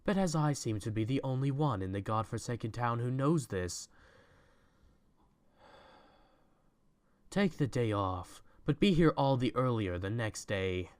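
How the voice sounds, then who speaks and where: A man's voice: mid-range voice, expressive, moderate pace, few pauses, darkish tone, no echo, close to an everyday voice. A man playing an arrogant, skeptical young business tycoon in an audio drama, curt and dismissive. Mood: cold, irritated. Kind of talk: fan audio drama acting.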